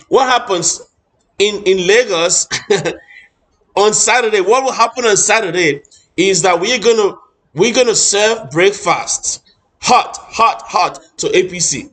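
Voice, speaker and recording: A man's voice: high-pitched, a bit bright. A middle-aged Nigerian man with a Nigerian English accent, giving impassioned political commentary with emphatic repetition and frequent restarts.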